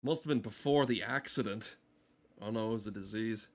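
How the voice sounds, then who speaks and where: A man giving casual, rambling gameplay commentary, swearing freely and riffing with dark, irreverent humour. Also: on the low side, brisk. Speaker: gameplay streamer. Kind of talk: casual, rambling commentary over game cutscenes.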